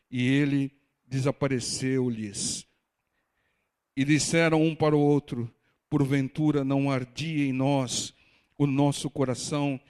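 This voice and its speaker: Male preacher, higher-pitched, emphatic sermon delivery. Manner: emphatic, rhetorical questions, sudden rises in pitch and loudness.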